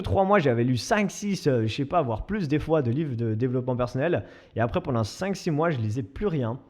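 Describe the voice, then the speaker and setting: A young man hosting his own podcast, talking casually and self-mockingly with many restarts. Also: on the high side. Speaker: podcast host and fitness coach. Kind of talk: casual solo podcast monologue.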